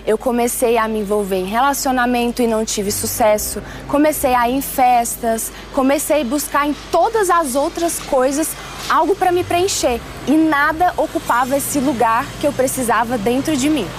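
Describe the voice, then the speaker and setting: Earnest young Swiss-born woman, soft music. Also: on the high side. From Switzerland. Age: 20s. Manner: earnest, measured storytelling. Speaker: testimony speaker. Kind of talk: personal testimony.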